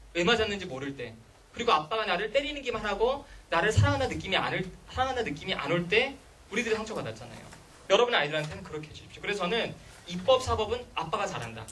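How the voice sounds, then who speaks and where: A man lectures parents in a school hall, his voice high for a man and full of swooping, lively intonation. He talks fast and keeps throwing rhetorical questions at the crowd. The mic sits some distance from him, so he sounds a little remote. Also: slight background noise. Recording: voice picked up from a distance.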